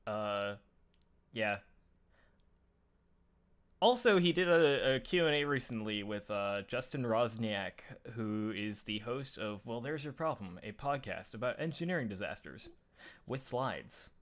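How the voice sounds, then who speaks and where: A man's voice: fairly low pitch, animated, unhurried, fairly bright tone. A man co-hosting a casual online show, talking in a rambling way with many fillers and restarts. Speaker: podcast co-host. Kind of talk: casual chat.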